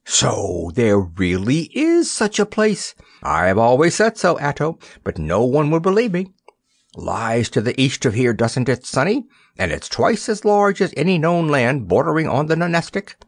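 A man voicing a stern, excitable old sea captain and explorer who speaks loudly, in a storybook reading. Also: medium pitch, measured pace, gravelly, dry recording, studio quality, pitched above the performer's own voice, heavily acted. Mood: eager.

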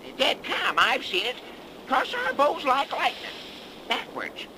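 An actor playing a stubborn, superstitious old sea dog with salty dialect in a 1930s radio drama. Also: male voice, very high-pitched, wildly swooping pitch, unhurried, exaggerated voice. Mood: insistent. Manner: salty rustic sailor dialect, insistent. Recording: noisy 1930s radio broadcast.

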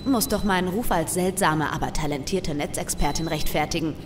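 A woman's voice: sits low, brisk, background noise, natural voice. A woman acting in an audio drama as a quirky, self-assured network expert with a cheeky, nonchalant manner.

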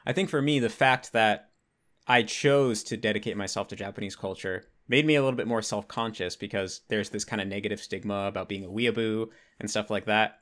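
An American man in his twenties hosts a relaxed-format interview from his bedroom. His voice sits a bit low, and he talks in a casual, conversational way. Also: brisk. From United States. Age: 20s. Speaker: interviewer, host. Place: bedroom at home.

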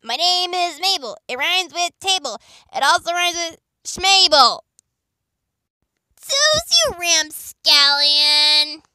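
A woman's voice: extremely high pitch, lively intonation, measured pace, sharp tone, no echo, voice pushed up, heavily acted, low-quality recording. A teenage young woman voicing an exuberant, dramatic, boy-crazy twelve-year-old cartoon girl. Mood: excited. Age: teens. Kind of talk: cartoon voice impression reel.

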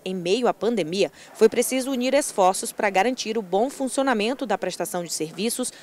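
A woman narrating a scripted news report in a measured, formal way. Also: medium pitch, darkish tone.

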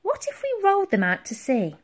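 A woman's voice: extremely high pitch, huge pitch swings, fairly quick, voice pushed up, full character voice. A woman voicing a plucky, determined young girl in a children's story, speaking eagerly and insistently.

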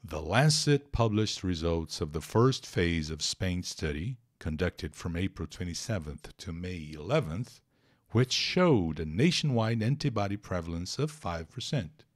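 Animated Brazilian man teaching English. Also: low-pitched, slow pace. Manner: reads English text, then translates and explains pronunciation; chatty, addresses viewers directly. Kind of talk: live online English lesson.

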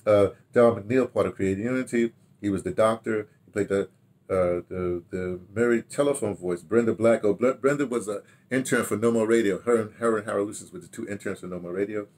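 Recalling past productions, an older radio drama producer with an American accent speaks informally to camera from a small book-lined room in his home. His voice is fairly low and darkish, and he rambles haltingly, repeating words and reading notes aloud.

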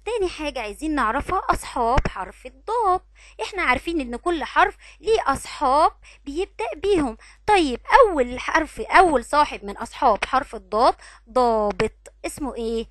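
Egyptian kindergarten teacher lady, high bouncy voice, stretches sounds out, dry close recording. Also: dry recording. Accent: Egyptian Arabic. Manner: sing-song, drawn-out syllables with frequent praise. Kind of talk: recorded online lesson for young children.

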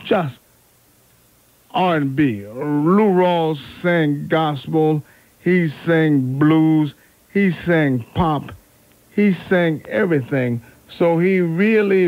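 Halting male oldies DJ on narrow-band radio. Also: fairly high pitch, no echo. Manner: halting, fumbling, self-correcting, repeats words. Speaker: radio DJ, host of an R&B oldies show. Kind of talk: unscripted radio oldies chatter. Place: radio studio. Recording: narrow, phone-like AM radio aircheck.

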